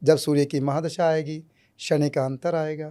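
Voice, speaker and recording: This is a very clean recording with a silent background. The man speaking has a fairly high pitch. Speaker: astrologer. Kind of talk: interview.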